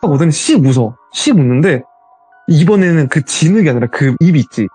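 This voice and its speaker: A man telling his own ghost story as a guest, in a casual, animated retelling. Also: on the high side, a little fast, slightly rough, no echo, soft background music.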